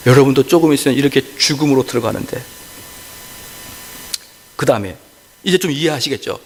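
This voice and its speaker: A man's voice: mid-range voice, fairly quick, a little mellow, slight background noise. A male pastor preaching a sermon in a church, asking rhetorical questions and building to emphatic peaks. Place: church sanctuary. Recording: church hall with long reverb.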